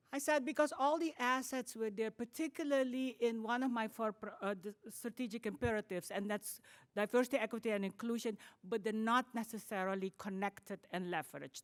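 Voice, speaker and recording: Speaking in a non-native accent, a woman with a fairly high pitch moves at a fairly quick pace with ordinary pitch variation in a dry, close sound with no echo. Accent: foreign. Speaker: dean of a public health school. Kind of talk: conference talk.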